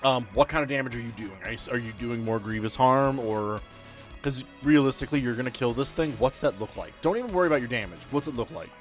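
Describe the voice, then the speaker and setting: A man's voice: medium pitch, fast talker, faint music behind. A man working as game master, narrating a tabletop game off the cuff and talking players through the action in a casual way.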